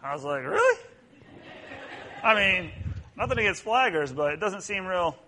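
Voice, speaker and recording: A middle-aged man, a state police officer, giving a personal sermon in a halting, self-deprecating way with many fillers. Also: high-pitched, lively intonation, bright, forceful tone, slight background noise.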